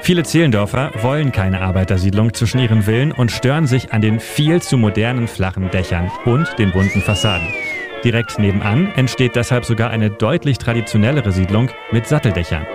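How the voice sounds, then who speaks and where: A man reading a scripted radio feature about history and architecture in a measured documentary manner. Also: lowish voice, animated. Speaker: feature narrator. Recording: studio voice-over over music.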